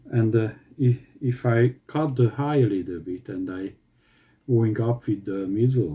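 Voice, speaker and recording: A man with a Hungarian accent talks at a fairly slow pace in a dark, mellow, somewhat breathy tone. His pitch sits at a medium level with ordinary variation. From Hungary. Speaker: bass guitar reviewer. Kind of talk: product demo. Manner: halting.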